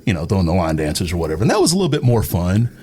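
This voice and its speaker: A man co-hosting a podcast, chatting casually in a halting, loosely phrased way. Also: low voice, huge pitch swings, mellow, breathy edge. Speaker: podcast co-host. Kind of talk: casual chat. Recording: noticeable background noise.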